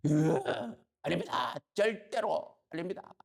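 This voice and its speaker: A man voicing an eager, impulsive male disciple who protests loudly in a shrill, excited voice. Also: unhurried, heavily acted. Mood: protesting.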